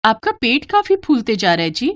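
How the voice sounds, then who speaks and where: A woman voicing a gentle, dutiful young village wife in a moral story cartoon, polite and expressive. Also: on the high side, normal speed. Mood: caring.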